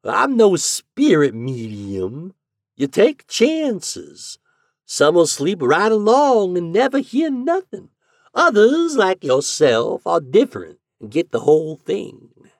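Man doing a sly old landlady, slow high drawl, loud, sing-song. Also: huge pitch swings, dry recording, studio quality, full character voice.

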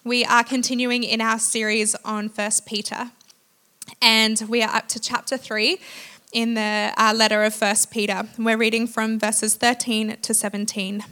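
A woman introducing a guest speaker and reading scripture, pausing often with "uh" and slowing down for the verses. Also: fairly high pitch, little pitch movement, clear, resonant tone. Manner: warm, with frequent "uh" pauses, slows for scripture. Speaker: church leader introducing the speaker.

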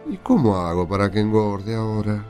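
A man's voice: fairly low pitch, moderate pace, darkish tone, soft background music, lightly acted. An actor playing a sleepless, impatient Argentine man cramming for an exam in a radio drama, with a blunt colloquial manner. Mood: rueful, weary.

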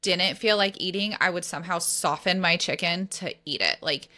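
A woman's voice: on the low side, normal speed, pushed and bright. A woman in her thirties co-hosting a casual podcast, bubbly and upbeat with many fillers. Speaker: podcast co-host. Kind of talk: casual chat.

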